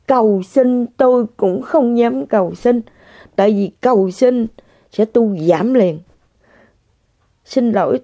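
On a dull lo-fi recording that is otherwise dry, an older woman's voice sounds on the high side, creaky and mellow. A spiritual practitioner, she earnestly tells listeners her personal spiritual testimony, going over the same points again.

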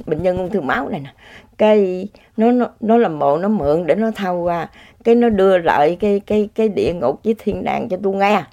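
A woman's voice: medium pitch, warm tone, lo-fi sound. A woman tells her personal story in casual spoken testimony. She talks in an exclamatory way and laughs often. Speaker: speaker sharing a personal story.

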